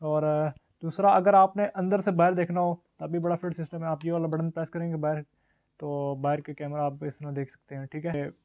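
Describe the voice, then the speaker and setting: A man's voice: fairly high pitch, level tone, fairly quick, darkish tone, highs cut off. A man with a Pakistani accent narrating a casual product unboxing and demo as the presenter. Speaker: shop's product reviewer and presenter.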